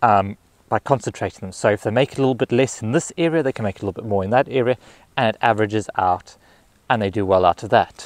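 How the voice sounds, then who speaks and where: A man with a fairly low pitch at a very fast pace, dry sound with no echo. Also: ordinary pitch variation. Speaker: outdoor instructor. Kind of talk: casual vlog advice. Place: open country. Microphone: phone near.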